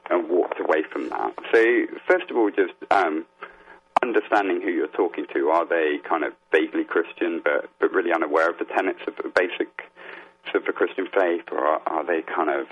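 A man speaking as an interview guest, explaining things in an earnest, reflective way and halting as he gathers his thoughts. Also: deep voice, slight background noise. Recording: dull, muffled phone-like line.

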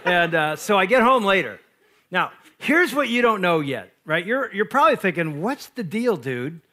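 A middle-aged pastor and marriage speaker telling stories to an audience, joking and acting out both sides of a quarrel. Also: male voice, sits high, normal speed, slight background noise. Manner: animated, jokey, acts out both sides of quarrels. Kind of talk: lively storytelling talk to an audience.

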